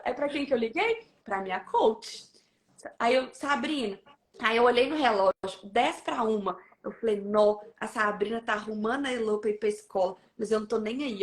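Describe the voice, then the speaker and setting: A woman shares a personal testimony in a high voice. She tells it in a lively way, acting out the people in the story and laughing often. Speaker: guest sharing a testimony. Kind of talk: animated storytelling.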